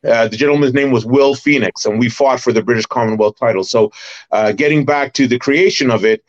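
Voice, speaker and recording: A middle-aged man from Barbados, a former wrestler and promoter, recalling his career in an animated, detailed way as a podcast guest. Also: medium pitch, fairly quick, muffled recording. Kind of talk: casual interview storytelling.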